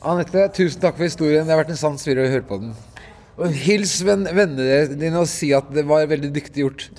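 A man's voice: fairly high pitch, a little mellow, a little hiss or hum. A man hosting a casual interview, who mostly answers with short agreeing words and thanks his guest. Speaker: podcast host.

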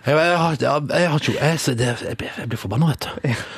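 A man from Norway hosting a radio morning show, animated and ranting in casual banter on a studio mic. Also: a little high, breathy edge, dry recording.

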